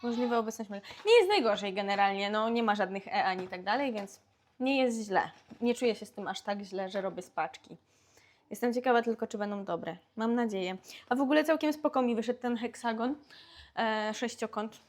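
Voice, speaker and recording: Young woman from Poland, family vlogger, slightly high voice, chatty running commentary at home. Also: brisk. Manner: chatty, talks through what she is doing. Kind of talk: casual vlog chat to camera.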